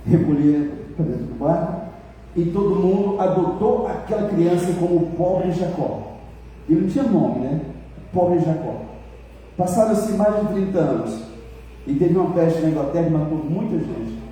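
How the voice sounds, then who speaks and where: A man's voice: a little high, normal speed, mellow, slight background noise. A man with a Brazilian accent preaching a sermon, telling stories emotionally and addressing the congregation. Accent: Brazilian Portuguese. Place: church. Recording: echoey church hall, voice from far off.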